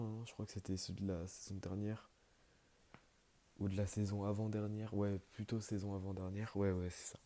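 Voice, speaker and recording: A man's fairly low, dark, mellow voice with a relaxed tone and monotone, flat intonation. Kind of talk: casual talk to camera. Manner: soft-spoken, relaxed.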